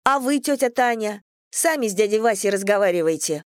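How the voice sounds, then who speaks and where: A woman's voice: medium pitch, lively intonation, smooth, no echo, studio quality, voice pushed up, natural voice. A woman voicing a blunt teenage schoolgirl who complains to her mother in an audiobook. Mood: indignant. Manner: fast indignant grumbling.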